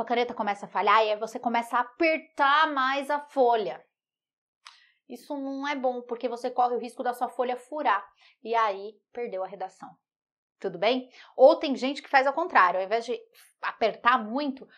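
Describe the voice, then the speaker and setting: A young woman teaching an online writing lesson, lively and teasing, asking the viewer rhetorical questions. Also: a little high.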